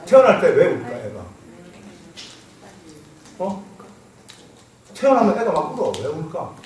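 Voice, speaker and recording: A man giving a classroom lecture on fortune-telling, lively and quizzing his students, laughing now and then. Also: high voice, a little slow. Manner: animated, asks students questions, laughs. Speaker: saju lecturer. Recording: roomy echo, mic far off, faint noise.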